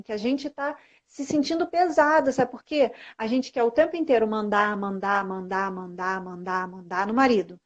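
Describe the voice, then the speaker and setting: A Brazilian woman with a high, bright-pitched voice mentors other women over a live video call, talking in an emphatic, preachy way. Her audio sounds somewhat muffled, like a typical live-stream feed. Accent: Brazilian Portuguese. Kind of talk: casual live-stream conversation.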